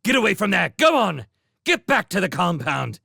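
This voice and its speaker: A man voices a pair of lazy, boorish rat guards in a storybook reading. The voice is gravelly and husky, with a sharp, edgy brightness and wild swoops in pitch. They bluster and threaten in coarse slang. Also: very animated, unhurried, no echo, clean studio sound, heavily acted. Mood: angry. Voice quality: gravelly, rough-edged. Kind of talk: audiobook character voice.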